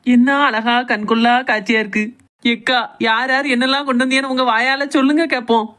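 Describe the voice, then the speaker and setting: A cheeky young village woman from a comic skit teases her co-workers in a Tirunelveli accent, acted by a woman. Her voice sits somewhat high, and she talks in a playful, joking way. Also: steady tone, a little fast, fairly bright tone, lightly acted. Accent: Tirunelveli Tamil. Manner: playful, teasing.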